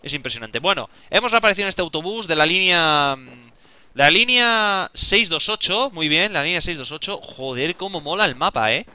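Excitable young man. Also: a little high, brisk, clean tone. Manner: excitable, talks to himself, swears and exclaims often. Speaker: gaming video creator. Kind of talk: casual gameplay commentary.

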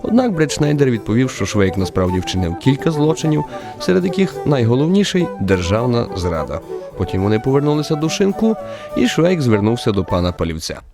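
A man's voice: medium pitch, very animated, a little fast. A man narrating a radio play as a scripted, wry literary story. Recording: music under the voice.

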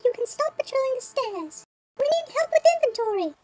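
A performer voicing a bossy, unimpressed young female mouse in a parody cartoon dub, with curt, deadpan put-downs. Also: extremely high pitch, fairly quick, soft background music. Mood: matter-of-fact.

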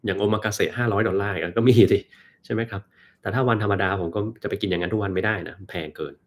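Man, live-stream host, casual, joking, slightly low voice. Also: very fast. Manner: relaxed, joking, reads viewer questions aloud. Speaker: host answering live chat.

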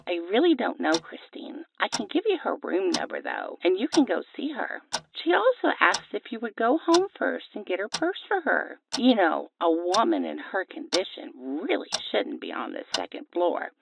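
Fussy motherly neighbor woman played by an actress, audio drama; very swoopy, gravelly delivery, muffled noisy phone sound. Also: mid-range voice, sing-song, normal speed. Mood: concerned, fussy. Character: fussy, motherly female neighbor bearing bad news.

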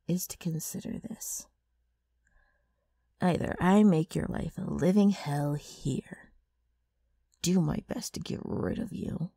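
A woman playing a brash, mischievous ghoul with a rough, gravelly voice and a wheedling, sardonic manner in an ASMR roleplay. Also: low voice, mellow, no echo, studio quality, full character voice. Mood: scheming, coaxing. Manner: wheedling, sardonic, drawling with abrupt swings.

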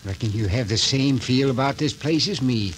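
An actor playing a suspicious old cemetery caretaker, drawling and stubborn, in a 1940s radio drama. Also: male voice, mid-range voice, moderate pace, lightly acted, low-quality recording. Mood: gruff. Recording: old radio recording with faint hiss.

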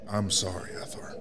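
An actor playing a friendly, wry veteran rebel colonel in a sci-fi audio drama, with a casual manner. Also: male voice, natural voice. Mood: saddened. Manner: casual, joking, hesitant asides.

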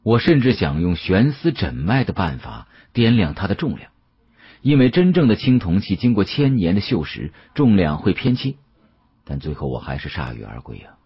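Deep, husky male audiobook storyteller. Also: very animated, moderate pace, lo-fi sound. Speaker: audiobook narrator. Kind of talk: dramatic scripted storytelling narration.

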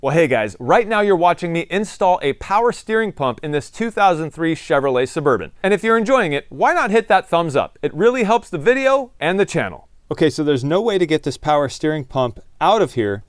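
A man with a slightly higher than average voice talks through a hands-on repair job. He explains things step by step in plain, practical language. The recording is close and dry, with very little room sound. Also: very animated, brisk, few pauses, clear, resonant tone, no echo. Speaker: host of a DIY car repair video. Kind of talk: hands-on tutorial narration, talking while working.

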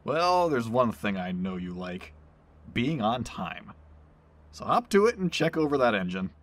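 A man's voice: medium pitch, sing-song, unhurried. A man playing a teasing, wisecracking train crewman in an audio drama, sarcastic and exaggerated.

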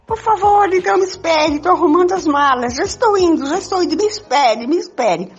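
A woman playing a bold, jealous lover in an amateur radio soap, emphatic and repeating herself, with a husky voice. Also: very high voice, animated, brisk. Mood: flustered, eager. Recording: dull lo-fi recording, music behind.

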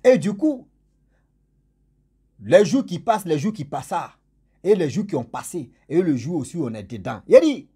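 A man's voice: a little high, very animated, normal speed, long pauses, dark tone, slightly rough. A man telling a story casually, with chatty, jokey asides to his listeners.

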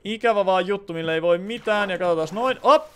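A man's voice: sits high, a little hiss or hum. A young man chatting casually while he plays a building game on a live stream, thinking aloud and answering viewers' comments.

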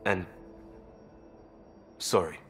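An actor playing an earnest, guilt-ridden young crewmate in a video game, speaking in halting, informal, clipped phrases. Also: male voice, a bit bright, faint music behind. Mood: guilty, uneasy. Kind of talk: video game cutscene dialogue.

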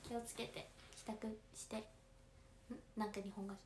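Her voice is medium-pitched, a little mellow, and level in tone, at a moderate pace. She's a Kansai-accented girl in her late teens, an idol audition candidate chatting casually on a livestream, reading viewers' comments aloud and courteously answering each. The room sounds spacious, with faint noise behind her.

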